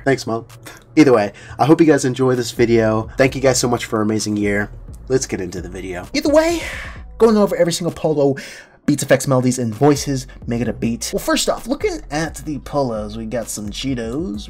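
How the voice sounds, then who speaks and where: A young man hosting a gaming video, sniffly from a cold, reacting casually with laughs and rambling asides. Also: mid-range voice. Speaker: gaming channel host. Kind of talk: casual game commentary. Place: home room, indoors. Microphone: headset mic.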